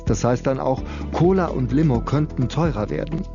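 A man's voice: mid-range voice, moderate pace, vocal fry. Man presenting radio news and weather. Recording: dull radio broadcast audio. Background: music bed.

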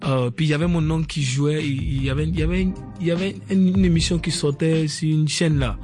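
A man's voice: a little high, fairly even intonation, fast talker, darkish tone, faint music behind. A man from Nigeria with a Nigerian accent, a musician answering questions as a radio guest, speaking hesitantly with many restarts and a few English words. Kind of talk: radio interview.

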